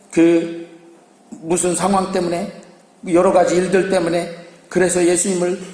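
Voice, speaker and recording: High-voiced Korean pastor in echoey hall. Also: male voice, a little mellow. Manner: emphatic preaching with acted quotes. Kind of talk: sermon.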